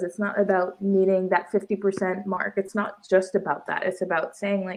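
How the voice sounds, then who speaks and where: With hardly any pauses, a woman talks at a moderate pace and medium pitch. She speaks in a Quebec accent. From Montreal, Quebec, Canada. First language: French. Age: 20s. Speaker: pageant contestant and entertainment critic. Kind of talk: podcast interview. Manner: animated.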